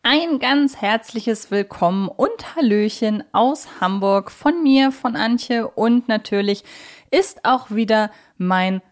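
A woman's voice: fairly high pitch, animated, slow. A woman hosts a podcast in a casual, conversational way. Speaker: podcast host.

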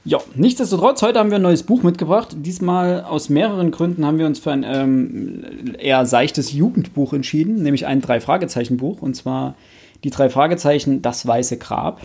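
Husky, mellow young man hosting. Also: on the high side, normal speed. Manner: hesitant, self-correcting, thinking aloud. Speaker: podcast host. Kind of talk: casual book discussion.

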